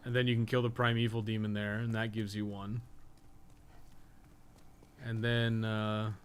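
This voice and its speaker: A man's voice: on the low side, level tone, measured pace, a little hiss or hum. A man giving casual live gameplay commentary, rambling and thinking aloud with casual swearing. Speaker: game streamer and podcast co-host.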